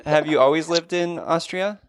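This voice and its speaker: A man's voice: fairly high pitch, moderate pace, clear, resonant tone. A man hosting a podcast, reading his intro and chatting with a guest in an earnest, friendly way. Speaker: podcast host.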